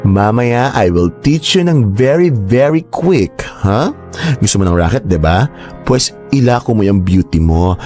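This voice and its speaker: A man's voice: on the low side, animated, unhurried, warm tone, soft background music. A man playing a flamboyant, scheming young gay man who is boastful and playful, with a campy, teasing, theatrical delivery. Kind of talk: radio drama acting.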